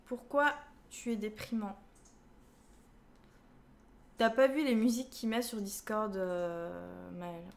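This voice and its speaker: A woman's voice: medium pitch, steady tone, slow pace, creaky, pauses often. A woman in her twenties from France, streaming a casual chat with viewers in a slangy, teasing way. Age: 20s. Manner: slangy, teasing, laughs often. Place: small room indoors.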